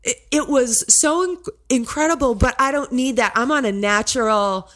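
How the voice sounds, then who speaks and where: Canadian-born woman on a podcast, low voice for a woman but sits a bit high, playful, laughs into her stories. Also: normal speed. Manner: animated, playful storyteller who laughs through her stories. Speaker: podcast guest. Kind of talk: casual chat.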